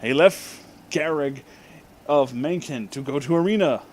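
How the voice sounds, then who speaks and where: Slight background noise accompanies a fairly high-pitched man performing a comic dramatic reading of fan fiction. He reads the misspellings just as they appear and throws in asides.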